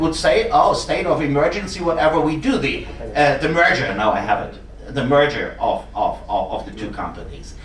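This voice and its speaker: Someone with a German accent speaks at a moderate pace over noticeable background noise, with audible room echo. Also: man. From Germany. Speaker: diplomat. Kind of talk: panel discussion. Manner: halting.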